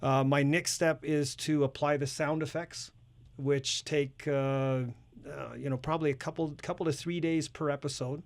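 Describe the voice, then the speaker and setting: Smooth-voiced man, slightly high pitch. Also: little pitch movement, moderate pace. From Canada. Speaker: radio drama producer and sound designer, guest. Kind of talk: casual explanatory interview talk.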